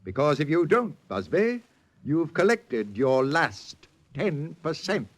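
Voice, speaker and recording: An actor playing a scornful, threatening Hollywood studio boss in a 1940s radio drama. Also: male voice, a little high, big pitch swings, slow pace.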